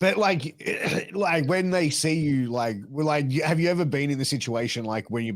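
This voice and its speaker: With an Australian accent, a man speaks fairly quickly using lively intonation. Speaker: podcast host. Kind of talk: casual interview. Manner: fast, filler-heavy.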